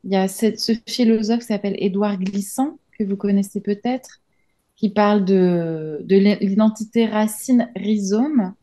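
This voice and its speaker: A woman in her thirties, a journalist and author whose first language is French, gives a reflective interview. Her mid-range, mellow voice keeps a measured pace as she thinks aloud with many hesitations and restarts.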